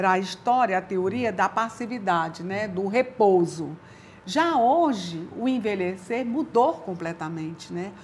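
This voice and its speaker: Her voice sits at a medium pitch and is somewhat breathy. The woman speaks at a fairly slow pace. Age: 60s. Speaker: gerontologist. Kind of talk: interview.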